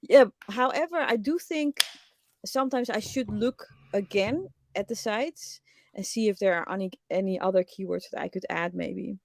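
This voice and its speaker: A woman with a raspy, gravelly voice chats frankly and eagerly as a podcast guest. Her sound is dry and close, with no room around it, and her pitch sits in the middle range. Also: normal speed, darkish tone, dry recording. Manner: enthusiastic, frank, with fillers. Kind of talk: casual interview chat.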